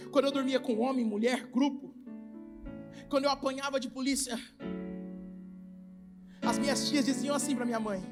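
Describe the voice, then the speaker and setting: A Brazilian man preaching an impassioned sermon in a very high voice. He shifts from shouting to quiet, pleading appeals. Soft instrumental music plays faintly underneath. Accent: Brazilian Portuguese. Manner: swings between shouting and hushed, intimate pleading. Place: large retreat hall with a congregation.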